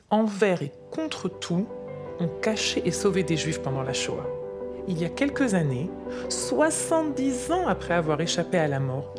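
A woman's voice: lowish voice, natural voice. A woman in her sixties playing a grandmother who patiently explains wartime history to her granddaughter in scripted French dialogue. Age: 60s. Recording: faint music behind.

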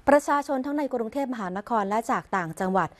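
Woman reading formal royal court news. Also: on the high side. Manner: measured, formal and even. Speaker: news reader.

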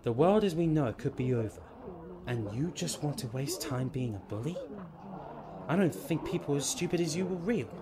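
A man's voice: a little high, very animated, normal speed, a crowd in the background. A man playing a curt, grave soldier explaining a zombie outbreak in an audio drama. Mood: grave, stern. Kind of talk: amateur audio drama acting. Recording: noisy amateur recording.

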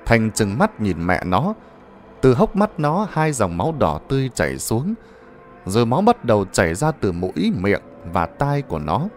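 A man's voice: medium pitch, wildly swooping pitch, moderate pace, soft background music. A man narrating a ghost story in a dramatic, suspenseful manner.

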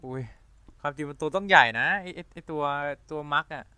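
A bright, crisp male voice rattling off gameplay commentary in quick breathless bursts, playful and quick to exclaim. The sound is dry and close, with no room around it. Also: on the high side, dry recording. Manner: rapid-fire talker who admits he talks too fast and runs out of breath; excitable, playful, loud exclamations. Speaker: gaming video creator. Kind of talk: excited let's-play commentary.

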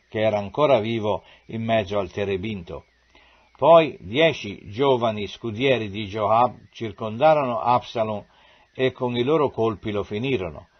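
A man reading scripture aloud with measured, solemn delivery. His voice sits at a middle pitch. The recording has a dull, lo-fi sound. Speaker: Bible reader.

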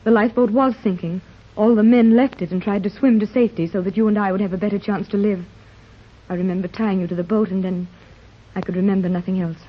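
A woman plays a tremulous, anxious mother in an old radio serial. Her voice is breathy and emotional at a mid pitch. The recording has a dull, muffled sound. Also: fairly even intonation, fast talker, close to an everyday voice. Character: anxious wealthy mother searching for her lost daughter. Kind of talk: 1930s radio drama acting.

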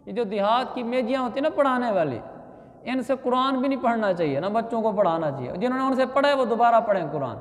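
High-voiced man teaching in a reverberant hall. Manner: corrects pronunciation, repeats words slowly and deliberately. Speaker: Islamic scholar teaching prayer. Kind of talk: religious lesson.

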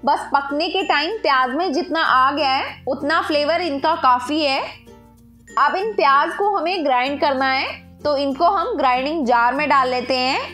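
High-voiced woman explaining a recipe. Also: normal speed, a bit bright, soft background music. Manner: instructive, addresses viewers directly. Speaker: cooking channel host. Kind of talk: step-by-step recipe narration.

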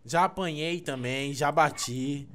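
Young Brazilian male gaming host, high-pitched, teasing, rambly with fillers. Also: takes it slowly, pushed and bright, a little hiss or hum. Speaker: gaming YouTuber. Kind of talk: casual gameplay chat.

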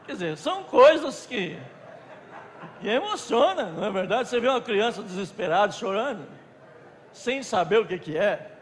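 A Brazilian pastor preaches in a high, lively voice that leaps up and drops back down. He swings between loud outbursts and soft asides, stretching words for effect. Long reverb from a large hall trails each phrase. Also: normal speed, slight background noise. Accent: Brazilian Portuguese. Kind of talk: sermon.

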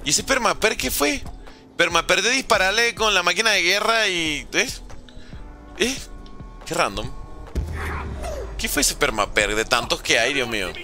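A man's voice: on the high side, sharp tone. A man streaming live gameplay, commenting and joking playfully with chat while using Mexican slang. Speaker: gaming streamer.

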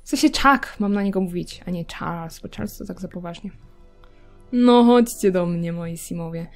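A woman's voice: fairly low pitch, steady tone, normal speed, mellow, faint music behind. Chatty woman narrating her gameplay. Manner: chatty, talks to her game characters; self-mocking asides. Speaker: gameplay video creator. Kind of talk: casual gameplay commentary.

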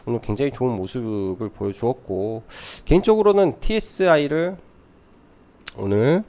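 A man's voice: medium pitch, animated, moderate pace, mellow. A man giving live stock market commentary as a trading adviser, explaining things by posing questions and answering them.

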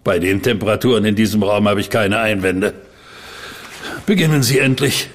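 An actor playing an impatient widowed gentleman at a séance, formal and irritable, breaking into stammers. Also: lowish voice, normal speed. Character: uneasy, impatient widowed gentleman client, growing frightened. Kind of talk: radio play acting.

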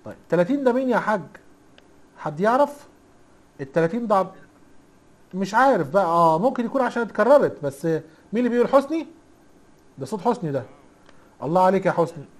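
A man's voice: high-pitched, animated, quick pace, pauses often. A man with an Egyptian accent teaching a casual recorded lesson, chatty and teasing, constantly quizzing the class with rhetorical questions. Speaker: IT instructor.

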